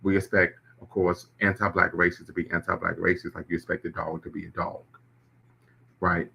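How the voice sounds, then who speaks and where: A man's voice: low-pitched, flat delivery, brisk, creaky, bright, forceful tone, slight background noise. A man hosting a live stream, reacting to clips and chat comments in a conversational way. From Ohio, US. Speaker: host.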